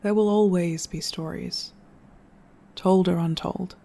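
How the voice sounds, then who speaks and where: An actor playing a reflective storyteller in an audio drama, giving an earnest, measured farewell address to listeners. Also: mid-range voice, steady tone, vocal fry, mellow. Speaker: narrator.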